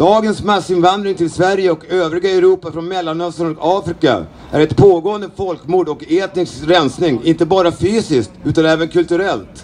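Speaking at a moderate pace, a man with a high pitch keeps his intonation fairly even. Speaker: rally speaker. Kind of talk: public speech. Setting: outdoors. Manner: formal. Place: street.

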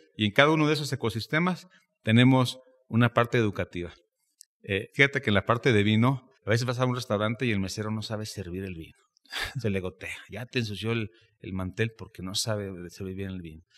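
The man's fairly low voice carries ordinary pitch variation over a quiet background. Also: fairly quick pace. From Mexico. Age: 50s. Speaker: meat industry business owner; podcast guest. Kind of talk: casual interview chat. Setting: industry congress. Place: studio. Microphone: studio mic.

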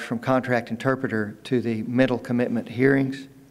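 A man is talking. His intonation is monotone and flat. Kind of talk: formal report to a public meeting. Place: meeting room. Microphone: podium.

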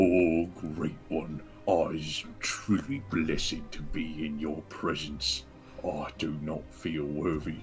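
Over clear music in the background, a man uses a put-on character voice with a very deep, low pitch and a very slow pace. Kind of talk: archaic devotional speech. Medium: actual play. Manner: reverent, groveling, formal.

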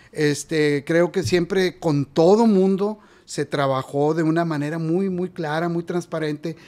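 Fairly slow and high-pitched, a man speaks with a dark, mellow tone and fairly even intonation. The background is quiet. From Nuevo León, Mexico (Ciénaga de Flores); Nuevo León, Mexico. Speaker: sound system promoter / sonidero; interview guest. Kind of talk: interview. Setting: workshop studio. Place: home room. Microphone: studio mic.

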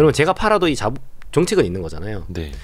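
This man talks at a very fast pace in a somewhat breathy voice. His pitch swings very widely. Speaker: asset management CEO and activist investor; guest. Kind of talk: interview. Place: studio. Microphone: studio mic.

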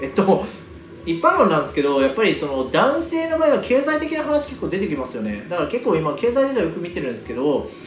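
Talking very fast in a high voice for a man, he swings his pitch very widely, with audible room echo and light background noise. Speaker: IT educator and digital marketer. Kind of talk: casual vlog talk. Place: booth. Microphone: handheld.

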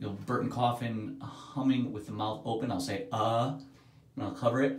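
Music plays in the background as a man speaks at a moderate pace. His intonation is fairly even, and there is audible room echo. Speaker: rock singer and voice teacher. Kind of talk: casual talk to camera. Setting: hotel bathroom. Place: bathroom. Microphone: phone near.

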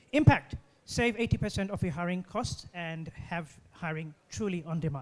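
Taking a fairly slow pace, a man speaks with a high pitch. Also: big swings in loudness. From Brazil. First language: Portuguese. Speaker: startup founder and salon owner. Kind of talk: elevator pitch. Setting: stage with live audience. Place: hall. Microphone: handheld.

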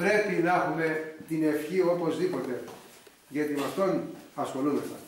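Audible room echo and light background noise fill the recording. A man talks at a fairly slow pace. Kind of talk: religious talk to a group. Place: hall. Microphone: old recording.

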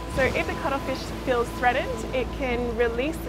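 Clear music plays behind the speech. The speaker is a woman. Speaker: marine educator. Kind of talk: interview answer. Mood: enthusiastic, smiling. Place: waterside.

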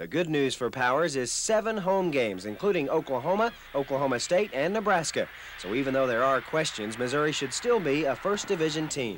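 There is noticeable background noise behind a man speaking at a fairly quick pace. His fairly high pitch moves in very wide swings. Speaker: sports reporter. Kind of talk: 1983 sports broadcast narration.

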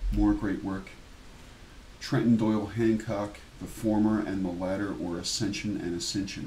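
A man with a fairly low pitch talks at a moderate pace with ordinary pitch variation. Audible room echo and light background noise surround his voice. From Pennsylvania, Bensalem (Philadelphia area); Pennsylvania. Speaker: art video creator; art vlogger. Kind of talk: narrated photo tour; commentary on own photos. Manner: casual, frequent filler uhs. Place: home room. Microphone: webcam.

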